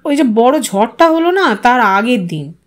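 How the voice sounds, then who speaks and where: Woman voicing a halting, humble village father. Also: fairly high pitch, sing-song. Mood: halting, unsure. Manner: halting, faltering, unsure. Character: poor hesitant grieving village father, middle-aged man. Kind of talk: audio story dialogue.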